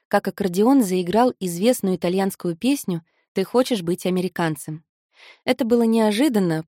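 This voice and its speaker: A woman reading a first-person novel aloud as an audiobook narrator, in an even, measured storytelling manner. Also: mid-range voice, no room sound, studio quality.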